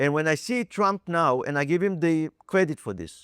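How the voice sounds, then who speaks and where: A man with a non-native accent speaks at a moderate pace in a fairly high pitch. The recording is very clean, with a silent background. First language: not English. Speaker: real estate developer and business founder. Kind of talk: panel talk. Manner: halting.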